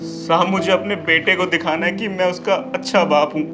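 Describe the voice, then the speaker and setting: An actor playing a poor beggar who humbly pleads for work, in a web drama. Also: male voice, sits high, fairly even intonation, moderate pace, over music, lightly acted. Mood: pleading.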